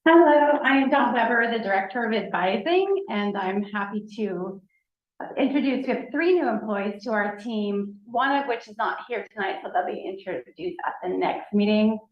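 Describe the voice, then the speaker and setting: A woman with a fairly high voice speaks upbeat and enthusiastic as a college advising director addressing a board meeting. Her voice rings around an echoey room. The sound is dull and lo-fi. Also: normal speed. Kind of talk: presenting new staff at a board meeting.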